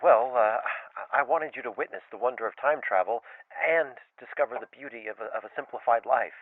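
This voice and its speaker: A man's voice: mid-range voice, a little fast, no echo, phone-quality sound, natural voice. A man playing a flustered husband who narrates and talks in a hesitant, stammering way. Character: flustered husband and writer telling his tale. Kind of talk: audio drama narration and dialogue.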